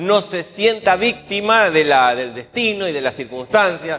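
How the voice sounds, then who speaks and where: High-pitched male speech at a fairly slow pace. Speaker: pastor. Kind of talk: sermon.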